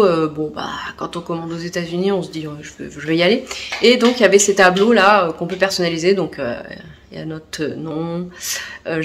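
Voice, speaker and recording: A woman's voice: on the low side, slight background noise. A woman vlogger chatting casually to her followers, with a rambling, self-interrupting way of talking. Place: at home, kitchen.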